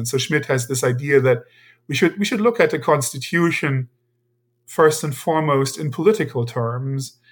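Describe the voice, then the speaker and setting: A man's fairly high, somewhat breathy voice in a German accent, at a fairly quick pace, on a very clean recording with a silent background. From Germany. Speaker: law professor. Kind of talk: academic interview. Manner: hesitant, many repetitions and fillers.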